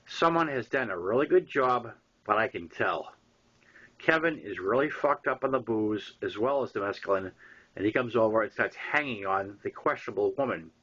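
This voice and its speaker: Man, Boston accent, bright forceful voice, informal storytelling, wry halting delivery, dull lo-fi recording. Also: fairly low pitch, expressive. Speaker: author reading own novel aloud. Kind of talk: informal storytelling, reading with asides. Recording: dull lo-fi audio.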